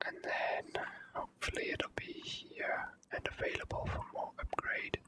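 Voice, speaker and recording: While playing a video game, this host narrates in a soft ASMR whisper. Everything is kept hushed and gentle at a slow, unhurried pace.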